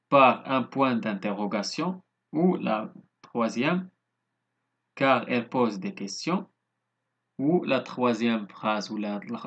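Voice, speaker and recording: A man with a Moroccan accent teaching a recorded grammar lesson as a primary school teacher. He reads the textbook exercises slowly and explains them in quick asides. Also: medium pitch, a bit bright, husky.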